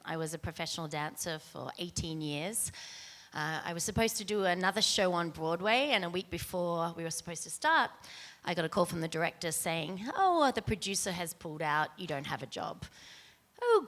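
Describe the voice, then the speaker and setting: A soft-spoken woman with an Australian accent speaks as a panelist. Her voice sits low and gentle. She talks into a handheld mic in a large tent, picked up by a camera out in the crowd. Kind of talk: panel talk. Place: large tent stage before an audience. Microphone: handheld mic, far camera.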